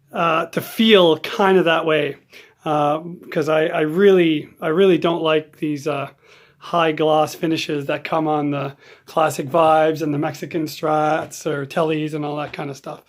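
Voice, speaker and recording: A man talking casually in a relaxed, rambling way as he works on a guitar in his home workshop vlog. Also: on the high side. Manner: rambling, easygoing, lots of fillers. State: hiccups. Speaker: guitar hobbyist vlogger.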